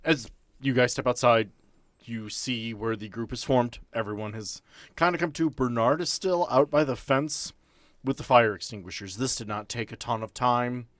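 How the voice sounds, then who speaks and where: A man's voice: medium pitch, normal speed, dry recording. A man narrating a tabletop roleplaying game as game master, with music behind him. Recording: background music under the voice.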